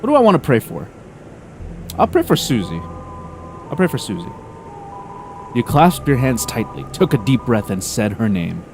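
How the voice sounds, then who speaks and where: A man's voice: medium pitch, very animated, moderate pace, long pauses, slight background noise. A man giving casual commentary while streaming a game, laughing, swearing and reading on-screen text aloud.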